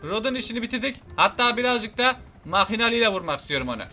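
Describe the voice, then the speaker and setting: A man narrates his video game in a high, bright voice, excited and joking, talking straight to his viewers. He often shouts as the action heats up, with faint music behind him. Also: fast. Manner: shouty, playful, talks to viewers. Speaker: gaming channel host.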